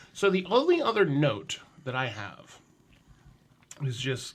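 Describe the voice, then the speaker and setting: This man's voice carries some breathiness. He keeps to a fairly slow tempo. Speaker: podcast co-host. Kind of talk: casual chat. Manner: casual, halting with fillers.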